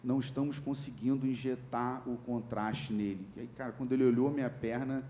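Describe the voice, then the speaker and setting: A man's voice: medium pitch, steady tone, a little fast, mellow, a little hiss or hum. A young Brazilian man giving a sermon testimony, telling a story and acting out the dialogue in it. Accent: Brazilian Portuguese. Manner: storytelling, acts out dialogue with rising voice. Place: church. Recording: echoey church hall with faint ambience.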